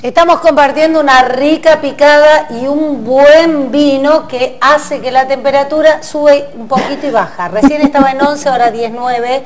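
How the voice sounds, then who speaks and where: A middle-aged woman hosting a TV studio talk show, lively and chatty, jumping in with quick remarks. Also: high voice. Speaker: TV host. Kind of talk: casual TV chat. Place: TV studio set at a table.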